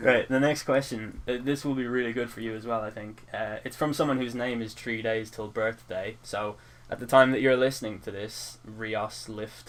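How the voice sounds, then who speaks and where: A man with an Irish accent speaks at a moderate pace and medium pitch, with hardly any pauses, fairly even intonation and big swings in loudness. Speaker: YouTuber, interview show host. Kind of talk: casual interview chat.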